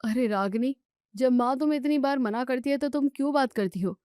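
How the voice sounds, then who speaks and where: A woman's voice: sits high, brisk, dark tone, clean tone, no room sound, studio quality, voice pushed up, close to an everyday voice. A woman voicing an easygoing young husband who soothes and mildly scolds. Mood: reproachful.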